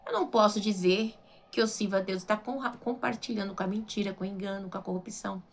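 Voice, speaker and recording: A missionary with a Brazilian Portuguese accent gives an informal Bible sermon, emphatic and conversational, often posing rhetorical questions and checking in with listeners. She speaks fast at a medium pitch with fairly even intonation, and there's a slight hiss or hum.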